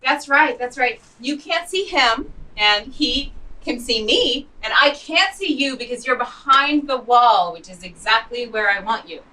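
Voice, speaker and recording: A woman's voice: on the high side, expressive, a little slow, pushed and bright, distant mic, heavily acted, rough recording. An actress playing a blunt, sardonic, exasperated woman in a comedy audio drama. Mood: flustered, annoyed.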